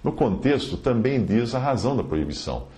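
A man's voice: mid-range voice, big pitch swings, brisk, darkish tone. A man answering a listener's letter on a podcast, emphatic and quoting scripture with chapter references. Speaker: Bible teacher answering a listener.

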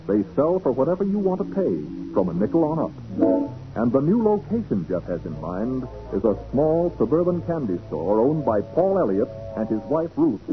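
A man announcing and narrating an old radio crime show in a scripted, declamatory style. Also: mid-range voice. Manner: dramatic, declamatory. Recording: muffled 1940s radio recording.

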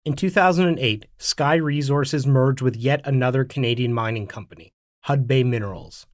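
A man narrating an investigative report in scripted, measured form. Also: mid-range voice, dry recording, clean studio sound. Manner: measured, even delivery. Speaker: documentary narrator.

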